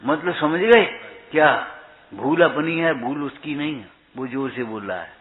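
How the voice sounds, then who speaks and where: A man giving a spiritual discourse, chanting verses slowly and then explaining them in a questioning, chiding way. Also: fairly high pitch, lively intonation. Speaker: preacher. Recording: tinny phone-like recording.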